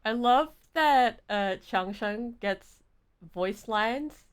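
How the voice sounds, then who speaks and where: A woman's voice: a little high, lively intonation, drawn-out words, smooth. A woman livestreamer giving chatty, giggly, casual reaction commentary while playing a story game.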